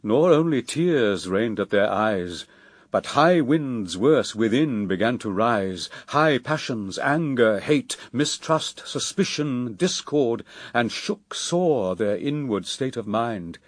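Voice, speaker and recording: A man as a grave poet narrator, reading epic verse in a measured, declamatory way for radio drama. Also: mid-range voice, expressive, no room sound.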